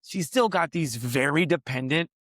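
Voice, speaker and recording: Fairly high in pitch and expressive, this forties-aged male podcast host talks at a normal speed with a slightly bright tone. The studio recording is clean and echo-free. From a New York City massage table, he tells a long, meandering personal story during a casual interview, frequently tacking on "right?"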